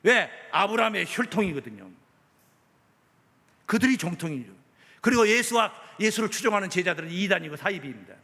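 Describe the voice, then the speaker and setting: A high-pitched man delivers a sermon with a forceful, bright edge. He preaches emphatically, firing rhetorical questions at the congregation. His voice rings with long reverb in a church hall. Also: sing-song, fairly quick, pauses often. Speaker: pastor. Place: church sanctuary.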